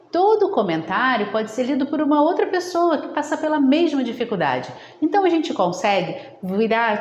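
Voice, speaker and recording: A woman giving a didactic lesson on early reading, talking straight to viewers and checking in often. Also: mid-range voice. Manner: didactic, addresses viewers directly, frequent "tá?" check-ins. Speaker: literacy educator. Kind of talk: instructional video talk. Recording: echoey room, faint background noise.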